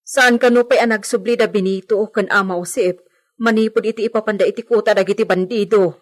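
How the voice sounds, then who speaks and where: A woman's voice: medium pitch, fairly even intonation, fairly quick, close to an everyday voice. Loyal housemaid, respectful and soothing, mid-range voice played by a woman. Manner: respectful, reassuring. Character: married housemaid, loyal and reassuring. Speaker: servant. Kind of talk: amateur audio drama acting.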